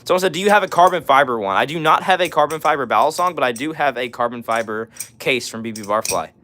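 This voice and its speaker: A raspy young man hosting a live stream, reading viewer messages aloud and answering them in casual talk with lots of "all right" and "uh". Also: medium pitch, animated, fast, bright, forceful tone. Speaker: livestream host.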